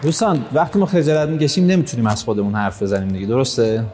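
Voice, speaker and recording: A man's voice: mid-range voice, in a large hall, music in the background. A man leading a live workshop, talking directly to the audience and urging them on. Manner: direct, coaxing, urges the audience on. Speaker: workshop trainer. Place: hall with an audience.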